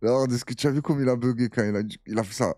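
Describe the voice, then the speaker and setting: Animated slangy storyteller man. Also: medium pitch, racing, dry recording, clean studio sound. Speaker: reaction video host. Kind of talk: casual reaction commentary.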